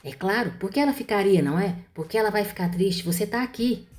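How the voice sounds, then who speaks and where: A woman's voice: mid-range voice, animated, fast talker, darkish tone, faint music behind, close to an everyday voice. A woman voicing a grieving father who insists his dead wife is still there. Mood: insistent. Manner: falsely cheerful, insistent. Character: grieving middle-aged father in denial.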